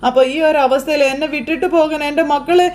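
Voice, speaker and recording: A woman's voice: sits high, fast, a little mellow, pitched above the performer's own voice, close to an everyday voice. A woman doing Chandra, a wailing mother faking pain. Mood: whining. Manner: whiny, wailing complaints. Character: Chandra, a middle-aged mother faking a stomachache.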